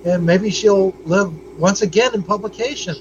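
A man guest speaks in an emotional, halting way, his voice pitched high. The sound is muffled and lo-fi, with clear noise behind it. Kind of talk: casual chat. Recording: dull noisy recording.

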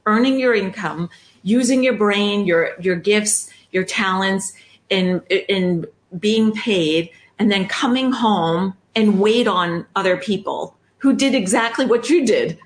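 A woman's voice: medium pitch, slow pace. An American woman in her fifties hosting an interview, talking in a chatty, personal way and laughing often. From United States. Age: 50s. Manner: warm chatty, laughs often, talks about herself. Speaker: podcast host. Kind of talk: casual interview chat.

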